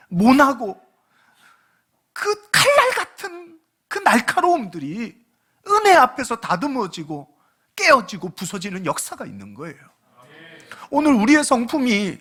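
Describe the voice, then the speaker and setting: A pastor in his late forties preaching a sermon, his voice swinging widely up and down as he tells stories. He is animated and humorous, slipping into other people's voices as he talks. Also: sits high, slightly rough. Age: late 40s. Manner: animated, humorous storytelling that acts out quoted dialogue. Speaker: guest pastor.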